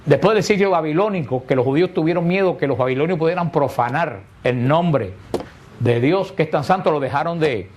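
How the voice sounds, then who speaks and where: A man's voice: a little high, darkish tone. A man teaching a catechesis lesson to a group, explaining step by step and posing rhetorical questions that he answers himself.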